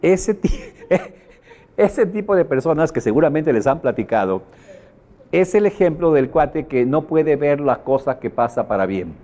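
A man with a Mexican accent gives a lively motivational talk, his voice sitting a bit high. He tells stories with acted-out asides and often turns to ask the audience questions. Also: a little slow. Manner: animated storyteller, asks the audience questions. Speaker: motivational speaker.

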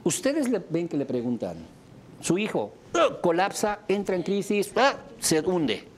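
A man with a Mexican accent, a therapist giving a talk to a live audience, animated and theatrical, acting out examples with sudden leaps in pitch. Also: measured pace, slight background noise.

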